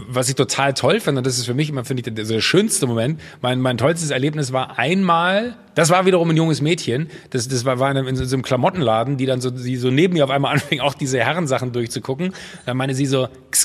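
Male podcast guest, husky and slightly high, animated storyteller, long reverb. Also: fast talker. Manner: animated storytelling, acts out voices, restarts often. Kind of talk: casual chat.

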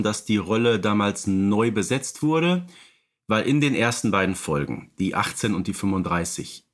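A man's voice: mid-range voice, fairly bright tone. A man co-hosting a podcast, reeling off detailed background facts in casual chat, with many filler sounds. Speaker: podcast co-host. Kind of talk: casual fan-expert chat.

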